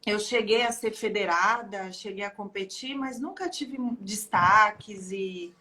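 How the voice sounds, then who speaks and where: A woman's voice: medium pitch, a little slow, sharp tone. A woman from São Paulo with a Paulista accent, a guest telling her story in an earnest, casual way. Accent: Brazilian Portuguese, São Paulo. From São Paulo, Brazil. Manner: earnest, repeats words when starting. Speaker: guest, marathon swimmer.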